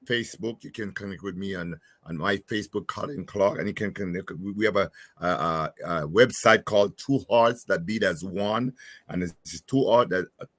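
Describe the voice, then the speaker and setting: A man speaking as a panel guest in a hesitant, halting way, repeating words as he goes. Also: low voice, no room sound. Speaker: guest marriage expert. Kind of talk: casual spoken remarks on a panel.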